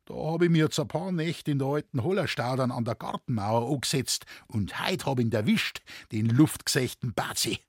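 A man voicing a loud, loyal old forest warden who speaks in rough dialect. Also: medium pitch, normal speed, hardly any pauses, no room sound, clean studio sound. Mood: explaining.

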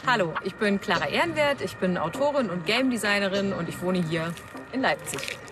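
Measured woman on a video call. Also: mid-range voice, animated, loud music behind the voice. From Germany, Thuringia. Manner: measured, searching for words. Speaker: interview guest, author and game designer. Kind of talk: thoughtful conversational interview.

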